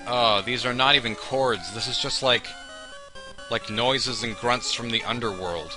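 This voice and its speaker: A man's voice: mid-range voice, a little slow, music in the background. A man giving humorous commentary on a video game in a wry, sarcastic manner with exaggerated reactions. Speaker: let's play host.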